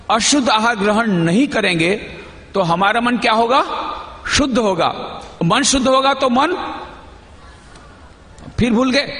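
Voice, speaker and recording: High-voiced monk teaching in an echoing hall. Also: male voice, sharp tone. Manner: teacherly, asks the audience questions; repeats key phrases for emphasis. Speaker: monk giving a talk. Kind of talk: talk to a youth gathering. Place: large hall at a convention. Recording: echoey hall with long reverb.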